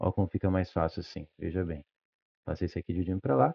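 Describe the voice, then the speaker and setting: A man with a very deep, low pitch against a quiet background. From Brazil. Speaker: physics teacher. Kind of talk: tutorial.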